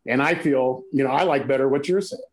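A man's voice: mid-range voice, brisk, a little hiss or hum. A man who works as an actor, talking as a guest in a casual chat and telling emphatic anecdotes.

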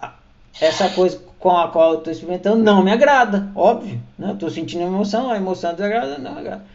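A man's voice: high-pitched, racing, creaky. A man giving a conversational spiritual teaching, explaining with everyday examples and acting out quoted lines. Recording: muffled lo-fi recording.

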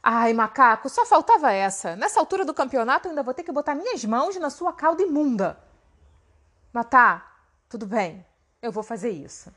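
A woman's voice: medium pitch, a little slow, pushed and bright, breathy edge. A woman voicing Bima, a proud and mighty male warrior who speaks with emphatic indignation. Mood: exasperated.

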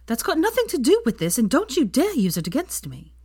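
A woman reading the lines of a young man who is a tired, blunt father, speaking in a low, muttered, weary way. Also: huge pitch swings, fairly quick, darkish tone, husky, no echo, studio quality, full character voice.

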